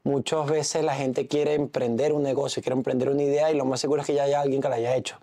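A man's voice: medium pitch, level tone, fast, gravelly, warm tone. A man in his thirties with a Venezuelan accent, a guest speaking confidently in a casual interview, seated in an office lounge. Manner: confident, talks with his hands. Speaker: entrepreneur guest. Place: office lounge with city view.

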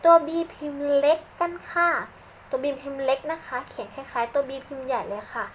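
A woman teaching young children English letters in a gentle, patient, praising way. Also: high-pitched, lively intonation, a little fast, slight background noise, poor audio. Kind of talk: children's lesson, slow and encouraging.

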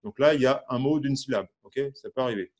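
This fast-talking man has a mid-range voice and teaches a relaxed online music lesson. Loose and filler-heavy, he counts aloud and sings syllables while playing an instrument.

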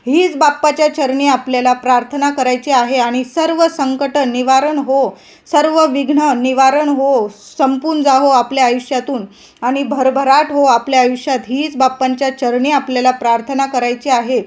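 A woman's voice: high voice, steady tone, moderate pace, darkish tone. A woman with a Marathi accent giving earnest, step-by-step devotional advice to women viewers, stressing each instruction again and again. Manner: earnest, instructive, repetitive emphasis. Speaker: devotional video host.

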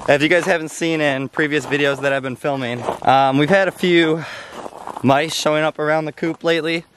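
Here the same kind of clip shows a young man with a slightly high voice speaking briskly and fairly evenly over a noisy background. He's a homestead vlogger holding the camera at arm's length, chatting and walking through steps in a snowy yard and partly indoors.

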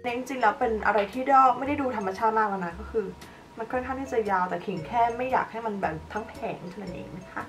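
Talking fast in a fairly high voice, a young woman walks viewers through makeup products in a laid-back tutorial. Soft music plays in the background, and she's a bit removed from the microphone.

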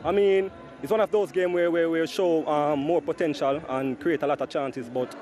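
Young man, footballer, slightly high voice, hesitant, thoughtful, handheld mic outdoors. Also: steady tone, moderate pace. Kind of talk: post-match interview.

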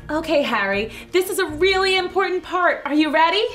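Woman, children's story host, very high voice, bright, animated, music underneath. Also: fairly quick.

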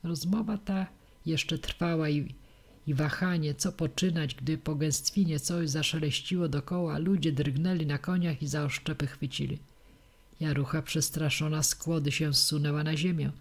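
A woman reading a classic novel aloud as audiobook narration, measured and steady. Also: low voice. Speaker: audiobook reader.

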